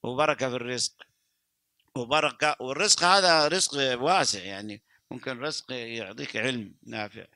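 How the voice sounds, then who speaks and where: A man's voice: medium pitch, normal speed, bright, forceful tone, no room sound. An older man and Quran reciter giving a religious talk, reciting verses, fervent and stumbling into restarts. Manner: fervent, many restarts and stammers.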